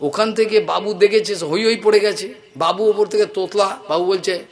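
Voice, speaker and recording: A man giving a devotional scripture discourse, chanting verses slowly and then explaining them as lively stories. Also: sits high. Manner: repeats and restarts words while explaining. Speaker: scripture teacher.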